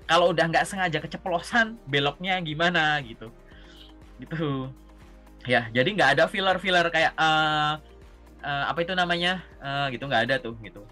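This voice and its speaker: Faint music plays behind this young Javanese man, whose slightly high voice sounds pushed and bright at a moderate pace. As a career coach on a video call, he chats casually with a job seeker, often closing points with "gitu" and checking whether he's understood.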